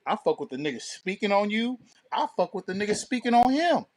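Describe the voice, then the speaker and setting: An American man with a somewhat high-pitched voice gives casual commentary as a podcast co-host. His speech is full of slang and profanity, and he keeps adding little tag phrases to check that he is being followed. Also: sing-song, a little fast, darkish tone. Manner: informal, profane, peppers talk with tag phrases.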